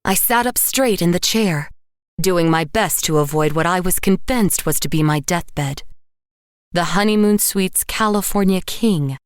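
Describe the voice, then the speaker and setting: An actress playing a haunted woman painter who narrates horror in a measured, literary way. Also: fairly low pitch, smooth, no echo, studio quality, natural voice. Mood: uneasy, haunted. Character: haunted woman painter narrating her own murder, dazed and grim. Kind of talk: first-person horror audio drama narration.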